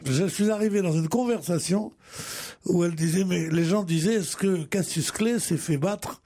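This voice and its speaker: A man's voice: sits high, normal speed, dark tone. An older man on a radio panel, telling a rambling anecdote in casual chat, repeating his words with provocative humor.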